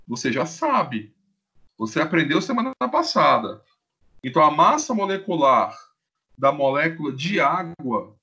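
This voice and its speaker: A man's voice: fairly high pitch, fairly bright tone. A man with a Brazilian Portuguese accent teaching a live online chemistry class, playful and joking as he acts out little scenes with students. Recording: dull lo-fi stream audio.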